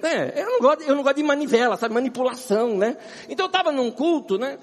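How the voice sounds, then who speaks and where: A man with a Brazilian accent preaching a humorous sermon as a guest preacher, telling animated stories with a husky voice and sweating as he talks. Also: extremely high pitch, fast talker. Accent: Brazilian Portuguese. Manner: animated, laughing storyteller. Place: large round church. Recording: long church hall reverb.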